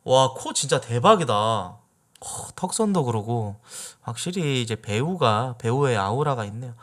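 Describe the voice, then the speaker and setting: A young man from South Jeolla chatting casually as a host, reacting with quick exclamations and slang. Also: mid-range voice, lively intonation. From South Jeolla, Korea. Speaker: YouTube host.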